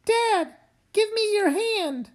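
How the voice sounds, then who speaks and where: Woman playing an anxious, high-voiced young girl. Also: expressive, slow pace, heavily acted. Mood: frightened pleading. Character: young daughter, earnest and anxious. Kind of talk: dramatic comic read-aloud.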